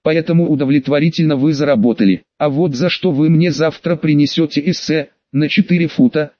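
A harsh sarcastic potions master out of a storybook, put on by a man reading aloud. the voice sits fairly high for a man and sounds dull and dry, close up with no room around it. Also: fairly quick, darkish tone, no echo, natural voice. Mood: scolding. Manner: cutting, scolding. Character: stern sarcastic male potions professor.

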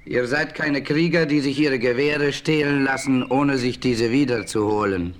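An actor playing a proud, honourable Native American chief in a German radio play, formal and declamatory. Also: male voice, medium pitch, normal speed, natural voice. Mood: solemn, welcoming.

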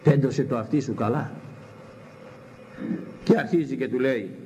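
A man's voice: medium pitch, dark tone, dull audio. An older man, a priest, giving a sermon on scripture, emphatic and repeating phrases for effect.

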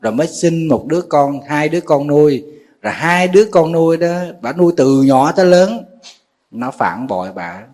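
A man's voice: a little high, lively intonation, normal speed, darkish tone. A man with a Southern Vietnamese accent, a Buddhist monk giving a folksy sermon to a live audience, often asking his listeners questions.

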